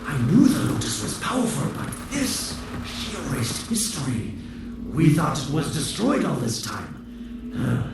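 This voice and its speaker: An actor playing a smug, scheming video game villain with a sardonic, theatrical manner. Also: male voice, fairly high pitch, wildly swooping pitch, unhurried, creaky, exaggerated voice. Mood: mocking wonder. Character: smug, scheming male villain, slyly taunting and mocking. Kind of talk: video game character acting. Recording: distant, very echoey, over loud game noise.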